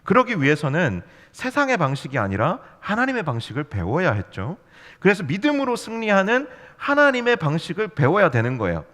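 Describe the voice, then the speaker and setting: A youth pastor delivers a playful, story-driven sermon in a church sanctuary, peppering the congregation with rhetorical questions. His high voice swoops wildly in pitch, moving at a brisk clip with a fairly bright tone. The recording carries a long hall reverb.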